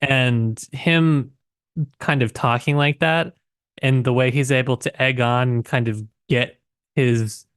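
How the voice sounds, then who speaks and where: A man's voice: medium pitch, no echo, studio quality. A man co-hosting a book podcast in casual conversation, tentative and searching for words as he works through his thoughts. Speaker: podcast co-host discussing a novel.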